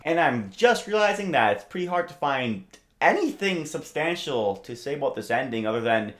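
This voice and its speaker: A woman's voice: extremely low pitch, sing-song, moderate pace. A young adult woman hosting a video essay, narrating her opinions in a casual, slangy, emphatic way with mild swearing and dry asides. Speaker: host of a video essay channel. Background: background music.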